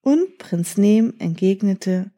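A woman reading a children's story aloud in a gentle, even storytelling manner. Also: medium pitch, takes it slowly.

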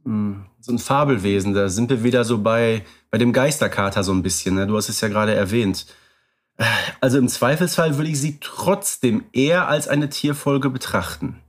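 A man co-hosting a podcast, speaking in a measured and dryly ironic way. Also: medium pitch. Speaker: podcast co-host. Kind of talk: casual podcast discussion.

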